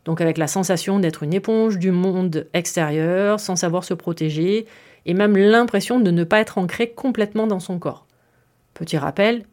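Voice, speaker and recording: Give me a woman hosting an explanatory podcast, chatty and friendly, at a middling pitch. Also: a little mellow. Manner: friendly and conversational, with frequent filler words. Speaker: podcast host.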